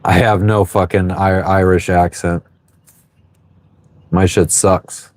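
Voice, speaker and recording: A man's voice: sits low, level tone, slow pace. Laid-back man chatting on a livestream. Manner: swears freely, chatty and offhand. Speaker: livestream host. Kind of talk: casual live chat reading viewer comments. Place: on an anchored sailboat.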